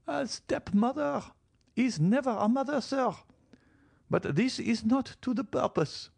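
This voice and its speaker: A man's voice: very high-pitched, animated, a little slow, vocal fry, darkish tone, breathy edge, no room sound, studio quality, pitched above the performer's own voice, heavily acted. A man reading an audiobook, voicing a frail, commanding old marchioness who talks feverishly of death. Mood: imperious, feverish.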